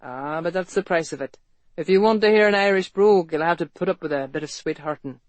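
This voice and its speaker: A man acts out a bold, protective Victorian gentleman from the London streets, plain-spoken and quietly teasing. His voice sits a little high for a man, recorded close and dry, like a storybook audiobook. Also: fairly even intonation, moderate pace, dry recording, natural voice. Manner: matter-of-fact, then coaxing and flirtatious.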